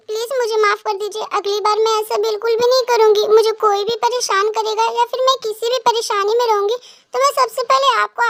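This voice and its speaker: A woman voicing an anxious, apologetic young wife in a fan dub, pleading softly. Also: very high-pitched, no echo, exaggerated voice. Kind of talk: Hindi fan dub acting.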